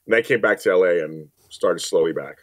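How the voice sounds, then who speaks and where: A man's voice: low-pitched, a little fast. Emphatic man telling personal stories. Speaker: podcast guest, audio drama producer. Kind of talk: personal storytelling in a casual interview.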